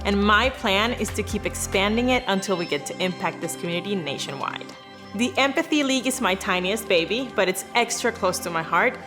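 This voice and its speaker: An earnest, upbeat woman speaking. She delivers a prepared award statement at a middle pitch, with music playing clearly underneath. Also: expressive, fairly quick. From Venezuela. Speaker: award recipient. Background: background music.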